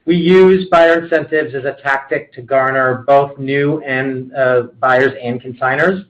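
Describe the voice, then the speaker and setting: A man's voice: medium pitch, steady tone, unhurried. A man speaking as a company executive, explaining business matters on a conference call. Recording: dull conference call audio.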